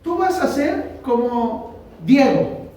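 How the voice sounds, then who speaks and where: A man's voice: extremely high pitch, expressive, takes it slowly, mellow. A man with a Mexican Spanish accent preaching a conversational sermon as pastor, often asking the congregation questions. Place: church hall. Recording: very echoey hall from far off, faint noise.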